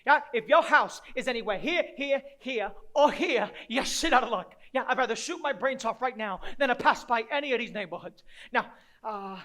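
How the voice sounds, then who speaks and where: A man's voice: very high-pitched, animated, normal speed, pushed and bright, heavily acted. An actor playing a down-and-out grieving father, self-loathing and desperate, rambling in streetwise, profane dramatic monologue. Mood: wry, coaxing. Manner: rambling, profane, streetwise, talking to an unseen child.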